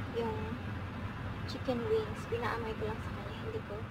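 A woman is heard with loud background noise. The sound itself is dry, with no echo. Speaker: vlogger. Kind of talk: casual vlog chat. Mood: playful, relaxed. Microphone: phone near.

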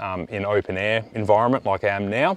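In a dry sound with no echo, a man speaks at a fairly low pitch. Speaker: camping gear reviewer. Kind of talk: casual product review to camera. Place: open country. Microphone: lapel.

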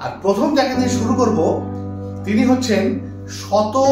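A man's voice in a room with audible echo, over clear music in the background. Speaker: interviewer and host. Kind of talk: host introduction to camera. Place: office.

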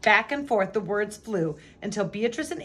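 The clip features a natural reading voice.

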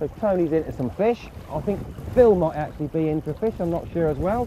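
A man talks at a fairly quick pace. The sound is dry with no echo, though noticeable background noise is present. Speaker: guide. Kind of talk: tutorial. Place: waterside.

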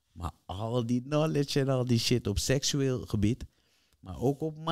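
A fairly slow-paced male voice over a quiet background. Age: 40s. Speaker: podcast host. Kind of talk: casual chat. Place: studio. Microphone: studio mic.

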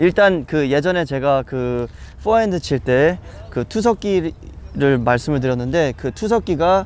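The man's delivery is very slow, with lively intonation and a dry sound with no echo. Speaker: tennis coach. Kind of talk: tutorial. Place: open country. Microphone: lapel.

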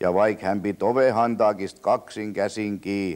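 This man has a Satakunta accent and a dark, mellow tone. He speaks at a very deep, low pitch and a very slow pace. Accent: Rauma dialect. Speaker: local dialect expert. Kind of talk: humorous column reading in dialect. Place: home room. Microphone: old recording.

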